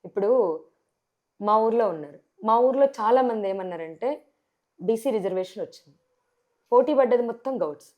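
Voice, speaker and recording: A woman with a Telangana Telugu accent, a sarpanch candidate answering in a TV interview, forceful and full of rhetorical questions. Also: a little high, normal speed, pauses often, dull audio.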